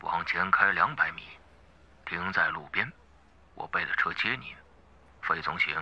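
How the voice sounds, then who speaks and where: Man acting a gravelly, cold crime boss. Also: low-pitched, normal speed, pushed and bright, muffled recording, pitched below the performer's own voice, heavily acted. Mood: cold, guarded. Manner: curt, menacing, commanding. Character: cold, suspicious older crime boss on the phone, male. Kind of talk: audiobook character acting.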